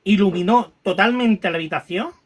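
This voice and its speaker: A man telling a painful personal story, halting with restarts and repetitions, audibly moved and close to tears. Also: sits high. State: emotional, near tears. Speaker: guest recounting a paranormal experience.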